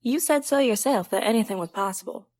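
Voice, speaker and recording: A woman's voice: a little high, brisk, a little mellow, no echo, close to an everyday voice. A woman playing a casual, stubbornly optimistic young woman in an audio drama, folksy and informal. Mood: insistent.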